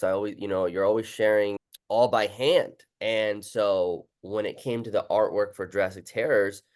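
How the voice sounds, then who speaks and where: A man with a low voice hosts an informal interview. He speaks in an everyday, conversational way, as in a casual chat with a guest. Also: a little mellow. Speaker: host and book author.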